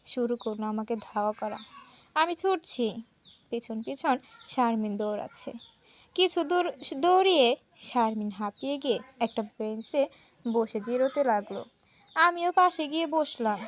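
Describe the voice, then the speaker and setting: A woman narrating a romantic short story in a lively, conversational reading style. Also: fairly high pitch, a little slow, long pauses, a little hiss or hum.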